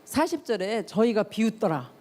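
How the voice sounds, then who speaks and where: A woman's voice: mid-range voice, very animated, moderate pace, darkish tone. A woman youth pastor preaching a sermon to teenagers, telling the story with feeling, acting out the voices of the people in it and putting questions straight to her listeners. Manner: asks the listeners questions directly.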